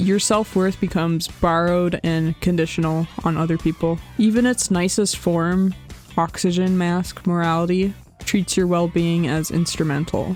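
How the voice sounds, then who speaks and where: A woman with a fairly low pitch speaks at a moderate pace, with fairly even intonation and very even loudness. Music plays in the background. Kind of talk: video essay narration. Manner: drowsy, monotone at times.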